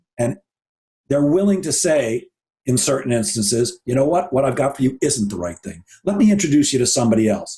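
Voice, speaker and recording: A man speaks at a fairly high pitch, somewhat breathy, with a dark, mellow tone. His pitch swings very widely. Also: fairly quick pace. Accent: American. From US Midwest, Chicago. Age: 60s. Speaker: sales coach. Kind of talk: interview.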